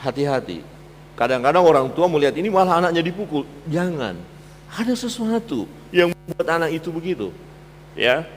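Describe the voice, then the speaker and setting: A man preaching a sermon as pastor, swinging between loud emphatic peaks and low quiet asides. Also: big pitch swings, brisk, in a large hall, a little hiss or hum. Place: church hall.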